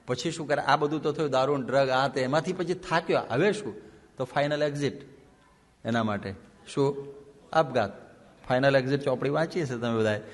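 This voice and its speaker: A man, a monk, giving a lively sermon full of rhetorical questions and mixing in English phrases. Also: mid-range voice. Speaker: monk preacher. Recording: long hall reverb.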